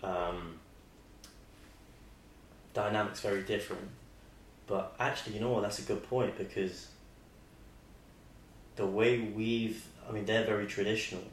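A man's voice: fairly low pitch, fairly even intonation, unhurried, long pauses. A man, hosting a podcast in casual, rambling chat with many restarts. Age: 20s. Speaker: podcast host. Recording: roomy sound with faint noise.

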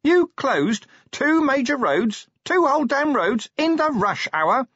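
A man voicing a gruff, middle-aged male watch commander from a storybook, exasperated and yelling in blunt disbelief. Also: very high voice, sing-song, slow pace, no echo, dull audio, voice pushed up, exaggerated voice. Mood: outraged disbelief.

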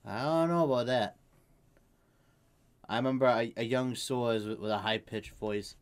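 A man's voice: mid-range voice, moderate pace, clean tone. A young man in casual chat, teasing his friends and laughing often.

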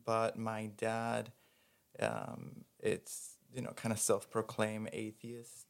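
A man's voice: on the low side, very animated, vocal fry, clear, resonant tone. A man in his thirties from Venezuela, a podcast guest speaking thoughtfully and unhurriedly. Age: 30s. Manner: thoughtful, unhurried, with pauses and fillers. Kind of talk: casual chat.

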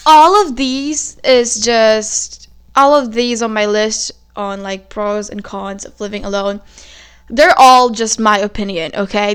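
A woman's voice: medium pitch, clean tone. A young woman with a Filipino accent hosting a casual solo podcast, chatting and switching between Tagalog and English, a little nervous, recorded on a phone in her bedroom. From Philippines. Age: young adult. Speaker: podcast host.

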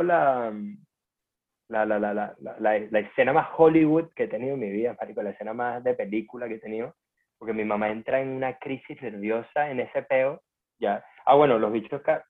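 A man with a Venezuelan accent, a podcast guest telling a story in casual, slangy talk. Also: mid-range voice. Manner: slangy, informal. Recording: narrow phone-like sound.

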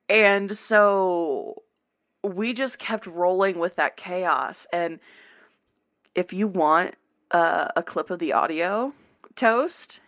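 A woman's voice: fairly low pitch, a bit bright. A woman hosting a podcast, telling a rambling story with frequent laughs. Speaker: podcast host. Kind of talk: casual chat.

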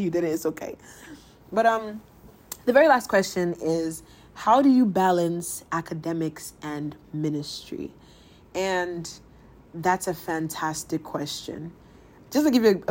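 Young woman sharing her story, low-pitched. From Ghana. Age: 20s. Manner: animated storytelling, laughs often, voices others' lines in higher pitch. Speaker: podcast host. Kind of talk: casual personal monologue.

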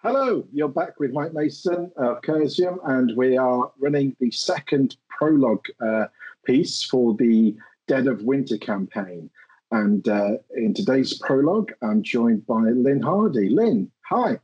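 A man's voice: medium pitch, lively intonation, a little slow, darkish tone, husky, lo-fi sound. A man running a tabletop game as game master, hesitant and full of ums as he sets the scene. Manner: hesitant, many ums and uhs.

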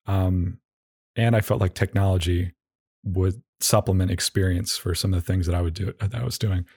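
Man, low voice, podcast host, casual rambling, halting and repetitive phrasing, self-deprecating, goofy dry humor, close dry sound. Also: steady tone, a little mellow, slightly rough, no room sound.

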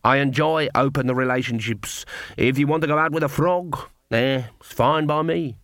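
A man's voice: mid-range voice, moderate pace, a bit bright, dry recording, clean studio sound, lightly acted. A man voicing a proud, easygoing little male dwarf charmer in an audiobook. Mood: breezy, proud. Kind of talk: audiobook character acting.

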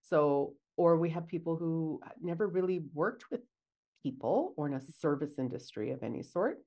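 A woman's voice: deep voice, lively intonation, normal speed, mellow. A woman co-hosting a casual podcast, chatty and acting out bits of client talk. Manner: chatty, acts out client dialogue. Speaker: podcast co-host, esthetician.

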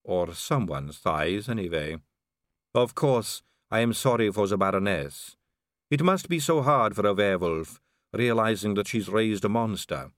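Brief: male narrator as a sly aristocratic vampire lady, audiobook; cool, unhurried, faintly mocking. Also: on the low side, animated, no room sound, studio quality. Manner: cool, drawling, amused and poised. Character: calm, elegant, sly female vampire noblewoman. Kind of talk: audiobook character reading.

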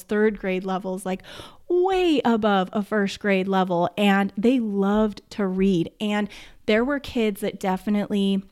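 A woman's voice: mid-range voice, a little mellow. A woman who teaches first grade, talking casually and emphatically in a podcast monologue, with lots of "like". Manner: emphatic and chatty, says "like" often.

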